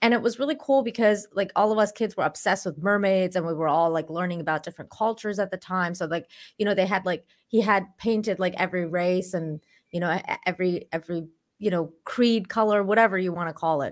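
A woman with a medium-pitched voice races along at a very fast pace, her pitch varying in an ordinary way. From Iran, then Canada from age ten. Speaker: YouTuber and commentator. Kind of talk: casual chat.

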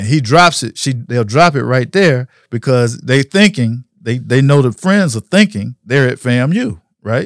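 An ordinary speaking voice with an American accent, lively intonation and a moderate pace, in a dry, close sound with no echo on a very clean recording with a silent background. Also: man, medium pitch for a man. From South Florida, Palm Beach County. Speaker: trial lawyer. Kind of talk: interview.

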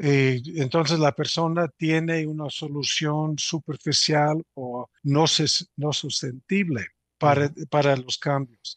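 At a very slow pace and with fairly even intonation, the voice comes through dry and close with no echo against a quiet background. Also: man. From New York. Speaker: psychologist and author. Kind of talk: radio interview.

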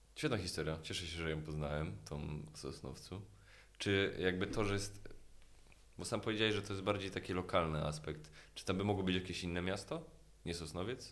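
In a room with audible echo, a man with a very deep, low voice and vocal fry speaks with ordinary pitch variation. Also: fairly quick pace. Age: 20s. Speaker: podcast interviewer. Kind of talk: casual interview.

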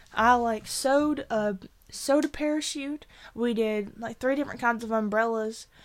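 A woman's normal speaking voice, fairly high in pitch, with fairly even intonation at a moderate pace. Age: 20s. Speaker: podcast guest. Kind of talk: casual chat.

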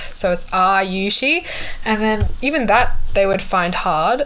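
Against noticeable background noise, a woman with an Australian accent speaks at a very slow pace. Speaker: podcast host. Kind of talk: casual chat.

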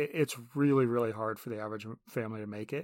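This man has a medium-pitched voice with ordinary pitch variation, talking at a fairly quick pace. The recording is very clean, with a silent background and a dry, close sound with no echo. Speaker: podcast co-host. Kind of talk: casual chat. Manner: improvised, off-the-cuff.

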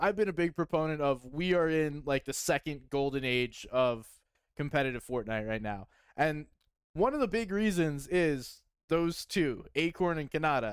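A man speaks in a normal speaking voice at a moderate pace, fairly high-pitched with lively intonation, on a very clean recording with a silent background. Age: 20s. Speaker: podcast host. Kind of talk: casual chat.

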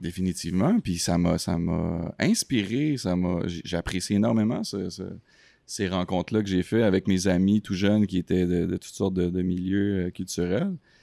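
A man with a very deep, low pitch and a dark, mellow tone speaks at a moderate pace with fairly even intonation on a very clean recording with a silent background. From Quebec, Anjou in east Montreal. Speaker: DJ and hip-hop producer. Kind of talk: casual chat.

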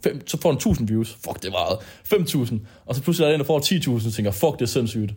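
Somewhat breathy and medium in pitch, a man speaks at a very fast pace with lively intonation. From Denmark, North Jutland (Aalborg). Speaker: Twitch streamer. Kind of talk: casual chat. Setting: at his apartment.

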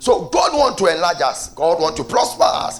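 A man speaks at a moderate pace in an animated tone, his pitch swinging very widely. Noticeable background noise runs underneath. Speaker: pastor. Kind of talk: sermon. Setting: church. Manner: repetitive, emphatic.

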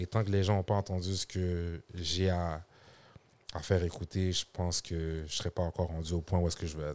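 This man's voice is very deep and low, delivered flat and monotone at a fairly quick pace in a dry, close recording with no echo. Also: very clean recording, silent background. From Montreal, Quebec. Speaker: rapper. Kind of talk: casual chat. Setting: studio.

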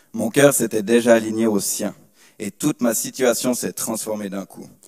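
A man's normal speaking voice, medium in pitch, at a fairly slow pace with ordinary pitch variation. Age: 20s. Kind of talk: testimony.

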